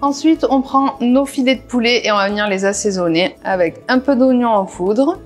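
A woman's voice: fairly high pitch, moderate pace, soft background music. A woman walking through a recipe step by step in a casual cooking voice-over, with practical asides. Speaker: cooking vlogger. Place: home kitchen.

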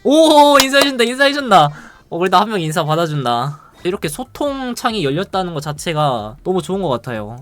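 A game streamer giving live gameplay commentary in an excitable, playful way, reacting quickly and laughing often. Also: medium pitch, soft background music.

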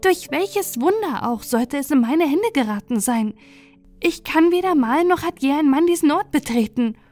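A woman doing an excited young lady's maid, high-pitched. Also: moderate pace, soft background music. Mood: protesting.

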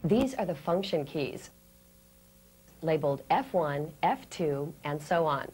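Low-pitched American woman presenter. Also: expressive, takes it slowly, a little mellow, husky. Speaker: training video presenter. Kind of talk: scripted instructional presentation. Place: indoor studio set.

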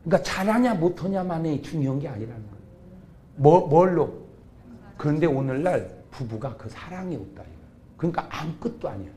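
Lively, animated Korean pastor man. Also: fairly high pitch, fairly quick, a little hiss or hum. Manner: animated, acts out couples' quarrels in sudden loud outbursts. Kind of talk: humorous revival sermon.

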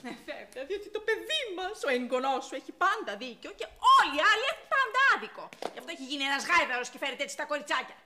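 A woman's voice: high voice, hardly any pauses, noisy background. Fussy sitcom mother. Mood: exasperated. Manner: emotional, swings from scolding to cooing. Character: fussy middle-aged mother, soothing and scolding. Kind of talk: sitcom acting. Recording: music bed under dialogue.

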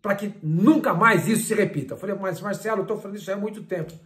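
An older man, commenting on football in a casual, animated way and retelling his conversations. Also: high-pitched, fast. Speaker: sports journalist and commentator. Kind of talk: casual talk-to-camera commentary.

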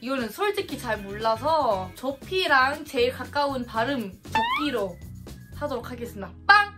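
Lively young woman with a Thai accent. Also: high-pitched, unhurried, music in the background. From Thailand. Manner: animated, exclaims loudly at answers. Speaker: vlogger. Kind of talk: casual quiz vlog. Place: indoors in a small room.

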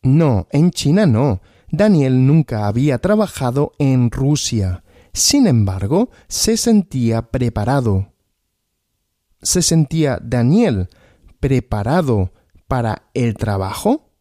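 Male language-podcast host, slow question-and-answer teaching, animated pitch, dry studio sound. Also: no echo. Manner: asks questions and answers them himself, repeating.

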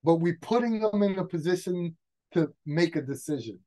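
A man, brainstorming a game scenario as a guest game master in casual chat, talking excitedly with frequent restarts. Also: on the high side, moderate pace, rough recording.

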